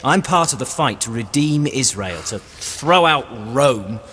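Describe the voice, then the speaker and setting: Committed rebel, long echo, animated pitch, courteous, earnest, radio play. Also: male voice, measured pace. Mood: earnest conviction. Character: genial, committed male rebel fighter, old friend. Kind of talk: dramatised audio drama dialogue. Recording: long echo, faint ambient noise.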